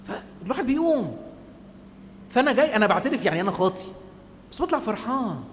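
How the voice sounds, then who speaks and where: A man with an Egyptian Arabic accent giving an animated church talk to a group, acting out the voices people use on themselves. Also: high-pitched, quick pace, long reverb tail, a little hiss or hum. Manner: animated, acts out inner voices. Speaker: church speaker.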